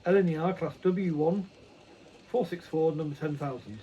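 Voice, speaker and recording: A man's voice: a little high, moderate pace, warm tone, lo-fi sound, slight background noise. A man casually vlogging about his model railway hobby, rambling and correcting himself with many ums. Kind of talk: casual unboxing chat.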